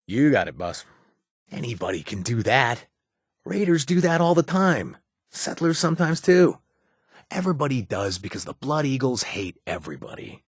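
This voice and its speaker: An actor voicing a chatty, self-deprecating young ex-raider bartender in a video game, with a husky voice. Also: male voice, on the low side, no room sound, clean studio sound, exaggerated voice. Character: wisecracking male ex-raider turned bartender. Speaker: companion character.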